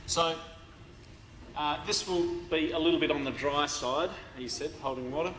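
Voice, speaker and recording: A man giving a university law lecture in a hoarse, tired voice, speaking haltingly with many fillers and restarts. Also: on the high side, a bit bright. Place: large lecture hall. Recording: echoey lecture hall recording with background noise.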